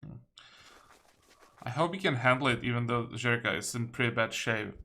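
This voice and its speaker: A man's voice: mid-range voice, moderate pace, pushed and bright. A man giving casual commentary while he plays a strategy game, thinking aloud and reading the game text out. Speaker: video game let's-player.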